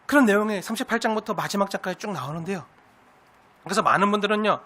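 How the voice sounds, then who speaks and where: High, bright-voiced male pastor preaching. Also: quick pace. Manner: earnest, heartfelt preaching with rhetorical questions. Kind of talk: sermon.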